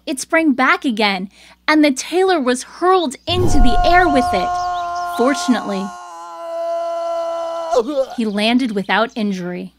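A woman's voice: a little high, slight background noise. A woman storyteller reading scripted fairy-tale narration.

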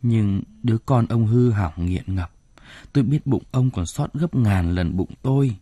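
A man's voice: on the low side, a little slow, breathy edge, no room sound. A man doing a kindly old village farmer. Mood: forgiving. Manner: calm, forgiving.

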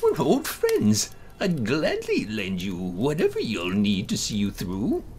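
A man voicing an indignant, excitable old gentleman in a melodramatic horror story reading. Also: medium pitch, slow, voice pushed down. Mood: jovial. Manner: blustering, melodramatic. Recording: voice over background music.

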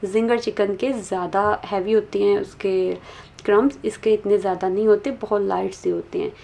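A woman's voice: medium pitch, steady tone, moderate pace, vocal fry, warm tone. A woman hosting a cooking channel, talking through a recipe step by step in a patient, instructive voice-over. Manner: instructive, repeats steps patiently.

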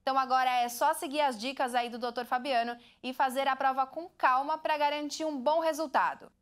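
A Brazilian woman in her twenties reports the news in a very high voice. Her delivery is scripted, spoken into a lapel mic. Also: steady tone, brisk, clear, resonant tone. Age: 20s.

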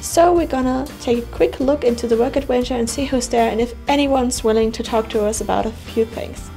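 A young woman with a high voice hosts a casual show. She presents and asks questions conversationally, with faint music behind her. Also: fairly quick, vocal fry, warm tone. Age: 20s. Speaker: show host.

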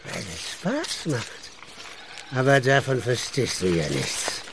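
An actor playing a drunken, mocking, lecherous village squire and colonel in a German radio play. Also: male voice, mid-range voice, very animated, slow, noisy background. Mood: scornful, boastful. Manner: sneering, swaggering, swinging from murmurs to shouts.

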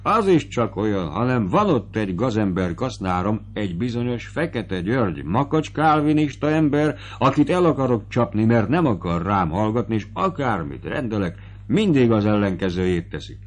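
A man's voice: lowish voice, big pitch swings. A man voicing a genial, self-satisfied baron who talks in an expansive, declaiming way. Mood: jovial, boastful. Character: genial high-born male baron, talkative and self-satisfied.

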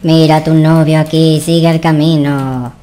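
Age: old. Figure: creepy gloating granny killer, played by a man. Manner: slow, low, taunting game role-play voice. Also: level tone, warm tone, a little hiss or hum, close to an everyday voice. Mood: menacing.

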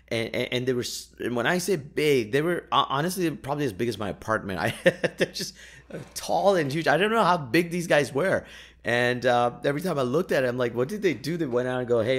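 A man whose first language is Urdu tells anecdotes in a casual, jokey monologue as a podcast host, with wry exaggeration. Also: on the low side.

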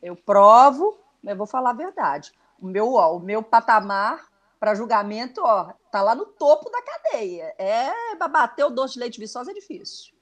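A woman's voice: on the high side, very animated, normal speed. A woman in her thirties with a Minas Gerais accent, a guest chatting enthusiastically over a video call from a small room. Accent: Minas Gerais Portuguese. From Brazil. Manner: chatty, enthusiastic, lots of fillers. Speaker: guest musician. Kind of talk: casual TV chat. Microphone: laptop video call.

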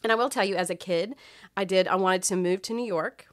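A middle-aged woman, telling stories as a podcast guest in a chatty, expressive way. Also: mid-range voice, brisk, no room sound, studio quality. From Texas, US. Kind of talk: casual chat.

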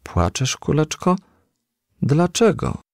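A man's voice: fairly high pitch, big pitch swings, slow pace, gravelly, no echo, clean studio sound, pitched above the performer's own voice, heavily acted. A man voicing a humble, earnest young male firefly suitor with polite storybook delivery. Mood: concerned, tender.

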